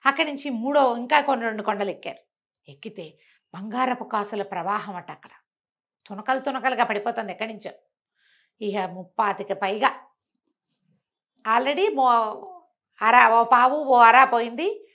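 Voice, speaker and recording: A woman telling devotional stories conversationally, in an expressive, emphatic way that repeats phrases for effect. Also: a little high, normal speed, pauses often, highs cut off. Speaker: storyteller and talk show guest.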